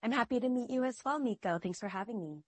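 A young adult woman from Minnesota, answering interview questions in a slow, reflective, earnest way. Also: fairly high pitch, expressive, a little mellow, breathy edge, no echo. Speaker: guest, artist.

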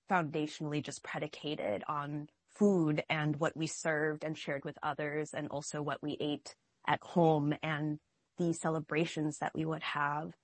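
A young adult woman from Minnesota, answering interview questions in a slow, reflective, earnest way. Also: low-pitched, dry recording. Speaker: guest, artist.

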